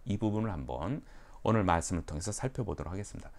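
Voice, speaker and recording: A male pastor preaching a sermon for an online church, animated and acting out quotes. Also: low-pitched, fast talker. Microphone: online sermon recording.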